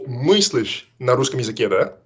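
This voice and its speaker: A man's voice: medium pitch, big pitch swings, measured pace, breathy edge. A young man hosting a casual conversation, asking questions and steering the talk.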